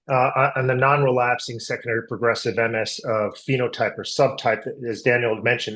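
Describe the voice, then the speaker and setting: A man with a mid-pitched voice answers questions on an earnings call as a company executive. He explains in a measured, corporate way, using plenty of medical and market jargon. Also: fairly bright tone.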